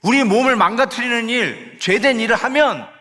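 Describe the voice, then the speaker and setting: Bright-voiced man preaching in a reverberant sanctuary. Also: extremely high pitch, lively intonation, normal speed. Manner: conversational, mixes in English phrases; acts out quoted sighs and pleas. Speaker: pastor. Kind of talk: sermon. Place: church sanctuary. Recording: long hall reverb in a sanctuary.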